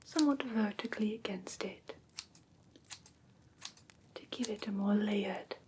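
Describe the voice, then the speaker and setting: A woman playing a gentle vampire teacher in a whispered ASMR roleplay lesson, patiently instructing in a breathy whisper close to the microphone. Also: mid-range voice, unhurried, a little hiss or hum, close to an everyday voice. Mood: gentle, instructive. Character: gentle female vampire teacher of human pet care. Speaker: host of a roleplay class, as instructor.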